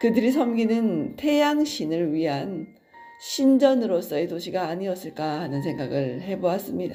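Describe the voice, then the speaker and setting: Medium-pitched woman's voice with very wide pitch swings, a fairly slow pace and music in the background. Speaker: book reader. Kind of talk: essay reading.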